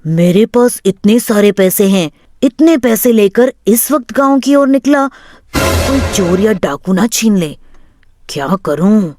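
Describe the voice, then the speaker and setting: A man's voice: high-pitched, lively intonation, a little slow, a little mellow, faint music behind. A woman storyteller playing a naive, stubborn disabled village boy who talks in earnest, plain musings. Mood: pondering.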